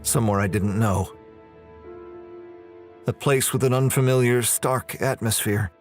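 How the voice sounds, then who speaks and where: Man acting as a slow-spoken, uneasy horror protagonist. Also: medium pitch, lightly acted. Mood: bewildered, alarmed. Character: bewildered, uneasy man waking in strange prison. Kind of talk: dramatized horror audio narration. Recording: faint music under the voice.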